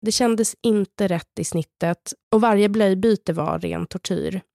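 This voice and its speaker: A woman in her thirties, a podcast co-host, slowly telling a personal story in the present tense in an intimate, measured way. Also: medium pitch, vocal fry, a little mellow, dry recording, clean studio sound. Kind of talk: personal storytelling, partly read from a script.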